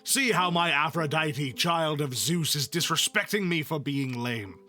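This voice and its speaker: A man voicing an aggrieved, self-pitying, furious god in a storybook reading, with a declamatory, drawn-out way of complaining. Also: a little high, animated, bright, forceful tone, soft background music. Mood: aggrieved, wounded.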